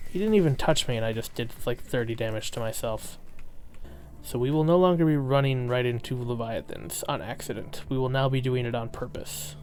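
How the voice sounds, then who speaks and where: A man with a lisp giving excitable, self-mocking commentary while streaming a game, swearing now and then. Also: medium pitch, fairly quick, faint music behind. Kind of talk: casual gameplay commentary.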